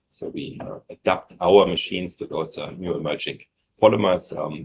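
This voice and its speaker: A man presenting company results on an earnings call, pausing often with fillers. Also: low voice, a little hiss or hum. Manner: halting, many fillers and pauses.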